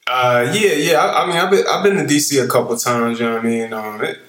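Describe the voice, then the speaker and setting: A man's voice: mid-range voice, quick pace, a bit bright, reverberant. A young man from Eastern North Carolina with a Southern accent, co-hosting a podcast in a laid-back, rambling way full of fillers. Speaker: podcast co-host. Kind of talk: casual podcast chat.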